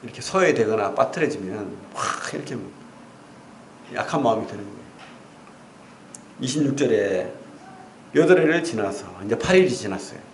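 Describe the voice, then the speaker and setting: A middle-aged man preaching a sermon as pastor, animated, with sudden loud outbursts and quiet asides. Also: medium pitch, normal speed, long pauses, a little hiss or hum. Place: church sanctuary. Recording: echoey church hall.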